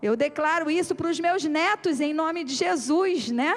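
A woman talks at a fairly slow pace with a Brazilian accent. Her pitch is extremely high and her tone is animated. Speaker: preacher. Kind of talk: sermon, preacher in full flow. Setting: church with congregation, streamed online. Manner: animated, fervent, call-and-response with the congregation; exhorting, rhythmic, urgent.

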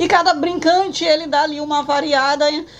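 Noticeable background noise sits behind the speaker. She is a woman with a high-pitched voice. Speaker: cultural agent and folk dance choreographer. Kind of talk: documentary interview.

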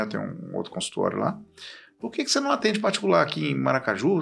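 Very fast speech comes from a man. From Goiás, Brazil (born in Minas Gerais). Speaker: physician. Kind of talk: casual interview chat.

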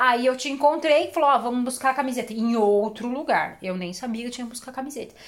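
A high-pitched woman talks at a very fast pace with hardly any pauses. Her loudness swings widely, her pitch varies in an ordinary way, and the room echo is audible. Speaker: amateur marathon runner. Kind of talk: casual chat. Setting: hotel room.

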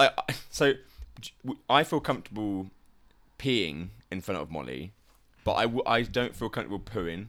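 With vocal fry and very wide pitch swings, a man talks at fairly low pitch and a moderate pace, leaving long, frequent pauses, in a very clean recording with a silent background. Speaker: stage actor. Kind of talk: casual chat.

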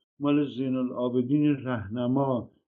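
The man speaks at a very slow pace. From Khuzestan, Iran (Shushtar). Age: 70s. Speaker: writer and translator. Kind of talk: interview. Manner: halting.

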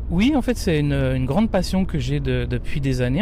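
A man is speaking. There is audible room echo and noticeable background noise. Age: 30s. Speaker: travel photographer. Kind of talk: interview. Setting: in a car.

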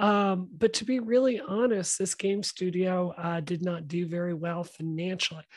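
Hardly pausing, a woman speaks at a moderate pace in a medium pitch with ordinary pitch variation. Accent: American. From US South, Mississippi. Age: 40s. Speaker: software engineer and political action committee director. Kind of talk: interview conversation. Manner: halting, many fillers.

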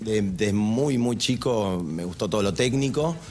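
A man speaks at a moderate pace with ordinary pitch variation, and audible room echo surrounds his voice. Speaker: radio listener, workshop owner. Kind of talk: radio phone-in interview.

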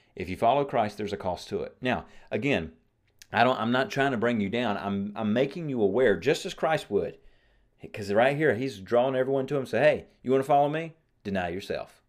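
Lively intonation and an animated tone carry this fairly quick speech, recorded very cleanly over a silent background. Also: man, medium pitch for a man. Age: 30s. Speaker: pastor and podcast host. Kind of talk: sermon-style teaching.

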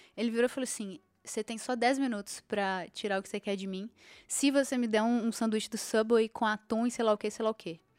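A woman speaks at a very fast pace with a fairly high pitch and fairly even intonation. The sound is dry and close, with no echo. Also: very clean recording, silent background. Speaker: podcast co-host, journalist and copywriter. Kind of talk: casual chat.

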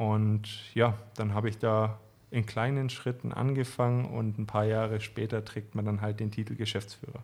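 Pitched fairly low, a man speaks at a moderate pace in a monotone, flat intonation. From Ulm, southern Germany. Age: 30s. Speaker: ice hockey player and club manager. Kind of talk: casual interview. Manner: hesitant with many fillers.

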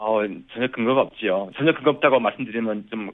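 This man talks at a very fast pace in a medium pitch, with ordinary pitch variation. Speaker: earthquake researcher, professor. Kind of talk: interview. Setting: phone call. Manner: halting.

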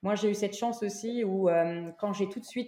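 Her intonation fairly even, a woman of medium pitch talks in a dark, mellow tone. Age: 30s. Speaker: shop owner. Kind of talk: interview.

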